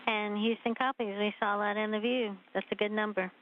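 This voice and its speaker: A woman's voice comes through a mission control radio loop, thin and tinny like a phone line, with faint hiss underneath. She briskly acknowledges and reads back numbers as capsule communicator. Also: medium pitch, flat delivery.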